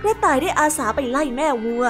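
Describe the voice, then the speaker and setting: A woman's voice: high-pitched, animated, brisk, a bit bright. A woman narrating a storybook tale for young children. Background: music.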